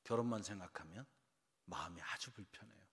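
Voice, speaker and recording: In the long reverb of a church sanctuary, a Seoul man preaches an early-morning sermon as pastor and quizzes his congregation. His voice sits low and brisk, with vocal fry, a fairly bright tone, and a breathy edge.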